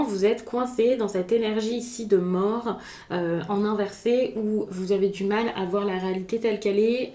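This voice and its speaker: A woman's voice: mid-range voice, dark tone, reverberant. A woman giving a spontaneous, chatty tarot reading, with many hesitations and restarts. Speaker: tarot reader.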